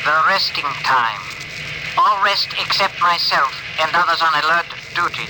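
An actor playing a gentle alien ship's communicator who speaks in stiff, oddly formal phrases, in a 1950s radio drama. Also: male voice, on the high side, animated, normal speed, lightly acted. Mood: solemn. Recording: hissy old radio broadcast.

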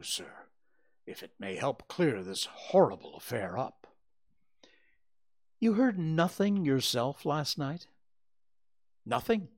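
Man voicing young woman, high, pleading, breathless, lively, storybook. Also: full character voice. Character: anxious earnest young woman, gentle.

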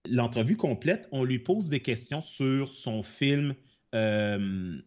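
A man co-hosting a casual podcast chat, on a dull, lo-fi recording. He rambles through his explanations, stopping to correct himself. His voice sits at a middle pitch. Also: expressive, takes it slowly, darkish tone. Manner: rambling explanations with many fillers and self-corrections. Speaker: podcast co-host. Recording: dull lo-fi sound.

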